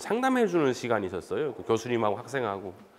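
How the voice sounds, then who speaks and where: A man is speaking. His pace is moderate. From North Korea. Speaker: film director. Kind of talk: interview.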